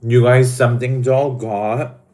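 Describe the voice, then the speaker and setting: A man's voice: medium pitch, level tone, a little slow, darkish tone. A man hosting a casual livestream, talking in a dramatic, camp way to his viewers while he eats. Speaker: livestream host.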